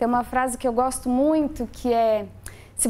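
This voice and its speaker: A woman talks with a high pitch. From Brazil, São Paulo. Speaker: psychologist. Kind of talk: interview.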